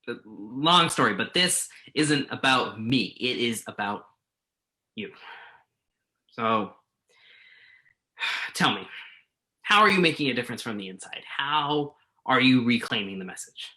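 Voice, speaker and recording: A man acting in a play reading as a blunt yet apologetic magazine journalist, speaking a little haltingly. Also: medium pitch, lively intonation, pushed and bright. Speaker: actor in a virtual staged reading.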